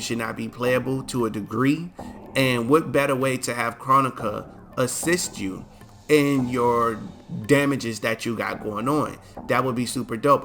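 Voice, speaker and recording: A man's voice: mid-range voice, bright, forceful tone. A man hosting a casual gaming video, chatting in a laid-back, slangy way while sleepy and stifling yawns. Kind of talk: casual commentary to camera.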